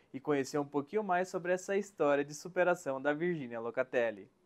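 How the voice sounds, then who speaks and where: With lively intonation, a man speaks over a quiet background. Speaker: news presenter. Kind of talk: TV news intro.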